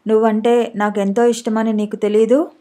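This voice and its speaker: Woman reading a gentle, soothing husband. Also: a little high, flat delivery, moderate pace, close to an everyday voice. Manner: soothing, reassuring. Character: gentle, devoted husband comforting his sick wife.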